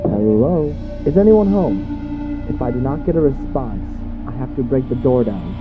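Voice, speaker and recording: A man's voice: mid-range voice, animated, moderate pace, close to an everyday voice. A man playing a stern, insistent police officer calling out firmly in a horror audio drama. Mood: commanding. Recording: tinny, phone-like band, loud music. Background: loud music.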